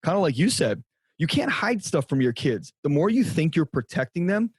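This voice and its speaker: A man's voice: fairly high pitch, big pitch swings, normal speed, slightly rough, no echo. A middle-aged man, a guest on a podcast, speaking directly and emphatically about relationships. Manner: emphatic, direct, repeats for stress. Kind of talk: conversational interview.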